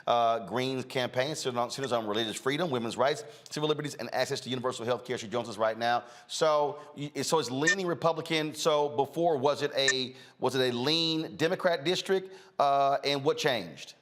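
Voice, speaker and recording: A man's voice: mid-range voice, fairly quick, few pauses, fairly bright tone, slight background noise. A man hosting a talk show, asking questions in a loose, conversational way with frequent filler sounds. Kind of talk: conversational interviewing.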